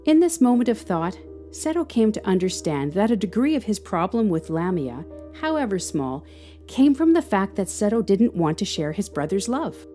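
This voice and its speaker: Expressive, mellow woman narrating a story. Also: mid-range voice, normal speed, soft background music.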